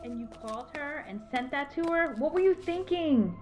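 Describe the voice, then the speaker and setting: A woman's voice: high voice, lively intonation, normal speed, over music. A woman playing a protective, anxious townswoman in an audio drama, urgent and scolding, with exasperation in her delivery. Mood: worried, scolding. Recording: dull, muffled lo-fi sound.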